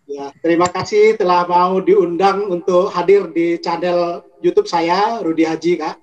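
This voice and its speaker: A man's voice: sits high, steady tone, measured pace. A man hosting an interview, phrasing his questions politely and with some hesitation. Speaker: interviewer, channel host. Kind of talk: unhurried interview. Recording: dull, lo-fi audio.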